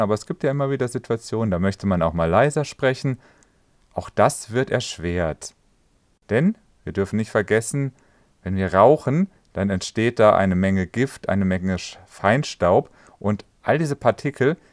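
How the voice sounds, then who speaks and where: A man with a fairly low voice teaches like a voice coach, calm and instructive, talking straight to the listener. The sound is dry and close, with no room around it. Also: no room sound. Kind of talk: educational explainer on voice health.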